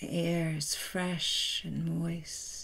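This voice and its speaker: A woman with a soothing, gentle tone. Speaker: meditation teacher. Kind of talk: guided meditation. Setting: video call. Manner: slow, soothing, gentle pacing. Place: home room. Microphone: webcam.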